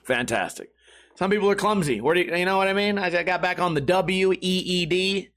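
A man hosting a podcast stream in casual chat, hoarse from losing his voice, talking in a loose, rambling and profane way. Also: high voice, brisk, a bit bright.

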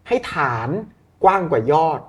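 A man speaking as a guest communication coach, explaining in a lively, demonstrative way and adding polite particles at the ends of his sentences. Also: normal speed. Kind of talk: conversational coaching talk.

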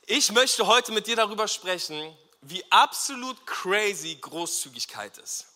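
A man preaching a lively sermon to a congregation, acting out short quoted exchanges and asking the audience to repeat words. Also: high voice, in a large hall. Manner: acts out Jesus and bystanders in quick quoted asides. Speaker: pastor.

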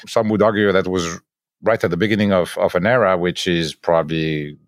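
A man's voice: deep voice, steady tone, brisk, no room sound, studio quality. A man hosting an interview, introducing his guest and asking questions, often repeating words as he goes.

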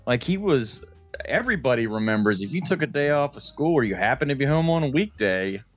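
A man's voice: medium pitch, expressive, brisk, no echo, soft background music. A man co-hosting a casual comedy podcast, talking in a rambling, loose way with some swearing. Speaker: podcast co-host.

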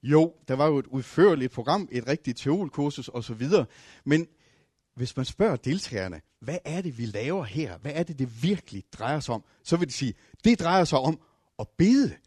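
A preacher tells his stories in a husky, breathy voice. He swings from loud bursts to near whispers, with fillers and restarts. The room sounds dry and close. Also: medium pitch, lively intonation, no room sound. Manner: dramatic swings from loud to hushed. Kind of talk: sermon with travel stories.

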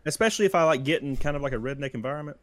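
A man's voice: fairly high pitch, rapid-fire, crowd noise. A young man with a Southern US accent, chatting casually on a podcast, laid-back and self-mocking. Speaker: YouTuber podcast guest.

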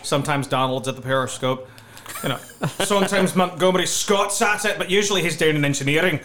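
A man's voice: on the high side, quick pace, a bit bright. Wry American man, noisy recording. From suburban Chicago, United States. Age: 30s. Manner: wry, self-deprecating, rambling. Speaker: podcast guest. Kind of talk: casual, joking chat.

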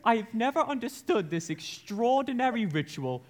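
A man's voice: extremely high pitch, big pitch swings, moderate pace. A man playing an amused, bantering party guest in a stage radio play.

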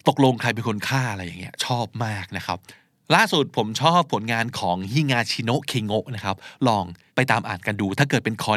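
Middle-aged male podcast host, easygoing and chatty, mid-pitched, dry close-mic sound. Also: no echo. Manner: chatty, relaxed, polite with frequent particles. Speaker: podcast host answering listener questions. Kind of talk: casual solo podcast talk.

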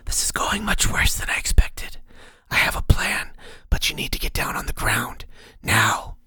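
A man whispering as an urgent high mentor voice. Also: sing-song, moderate pace, pushed and bright, dry recording, heavily acted. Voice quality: breathy whisper. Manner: insistent, instructive.

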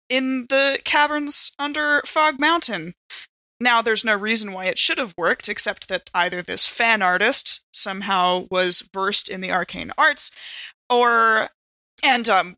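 Bright-voiced woman playing a tabletop game. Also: mid-range voice, no echo. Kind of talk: in-character improvised tabletop roleplay.

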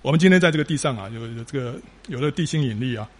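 A man's voice: mid-range voice, expressive, racing, darkish tone. A man preaching a sermon, telling stories with rising emphasis and frequent filler particles.

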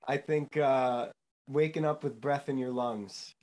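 A man's voice: medium pitch, fairly even intonation, measured pace, darkish tone. A young man from New England, a Christian musician telling his story as a podcast guest, earnest and full of fillers and restarts. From New England, United States. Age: young adult. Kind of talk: casual interview chat.

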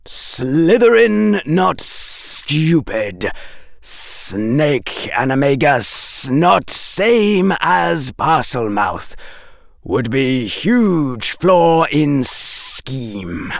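Male reader doing a sardonic snake, raised voice, drawn out and clipped, with a gravelly edge. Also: on the high side, very animated, no echo, studio quality, pitched above the performer's own voice, heavily acted. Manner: clipped broken speech, slow and deliberate. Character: sardonic terse hissing snake.

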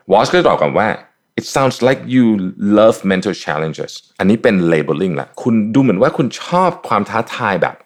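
A man hosts his own podcast alone, walking listeners through an idea in a friendly, chatty way. His voice sits low, yet it swings up and down a lot as he explains. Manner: chatty, explains step by step with many polite particles. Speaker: podcast host.

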